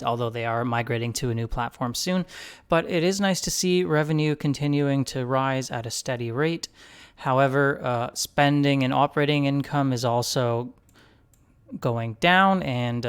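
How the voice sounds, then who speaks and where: A man's voice: mid-range voice, clear, resonant tone. A man hosting an investing video, talking through financial figures in a casual, conversational way and thinking aloud. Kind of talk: casual financial analysis commentary.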